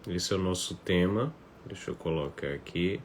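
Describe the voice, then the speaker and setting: A man's voice: sits low, normal speed. A man with a northeastern Brazilian accent talking informally to viewers as he hosts a live online class, conversational and fond of tag questions. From Paraíba, northeastern Brazil. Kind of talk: informal livestream talk to viewers. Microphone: phone on a stand. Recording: noticeable background noise, phone livestream.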